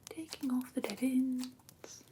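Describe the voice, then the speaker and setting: A gentle female vampire instructor, played by a woman, whispers a pet care lesson in an ASMR roleplay. Her breathy whisper is very slow and patient, pitched a little high. It sits close to the mic over faint noise and soft clicks. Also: steady tone. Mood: gentle, instructive. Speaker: host of a roleplay class, as instructor.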